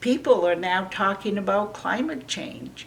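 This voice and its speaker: Her pitch medium and swinging very widely, a woman speaks with a Maine accent. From Passamaquoddy community, Maine (US), near New Brunswick border. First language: Passamaquoddy. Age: 70s. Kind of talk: personal testimony. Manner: halting.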